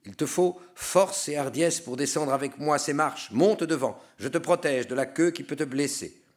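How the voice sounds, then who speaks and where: A man voicing a wise elder male poet guide in a stage reading, urging his companion on in a measured, firm way. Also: on the low side, animated. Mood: commanding.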